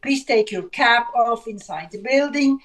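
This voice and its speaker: A woman from Switzerland with German as her first language speaks English in a high voice. She chats casually, hesitating and restarting as she looks for words. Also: animated, measured pace, a crowd in the background. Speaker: teacher. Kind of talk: casual call-in chat.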